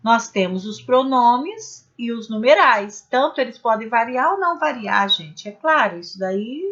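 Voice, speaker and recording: Woman teacher going over grammar tips for exams, highish voice, keeps asking "né?", muffled lo-fi audio. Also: lively intonation, measured pace, fairly bright tone. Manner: addresses viewers as "gente" with frequent "né?" tags; explains rules step by step with spoken examples. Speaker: Portuguese language teacher. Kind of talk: exam-prep grammar lesson. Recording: dull lo-fi recording.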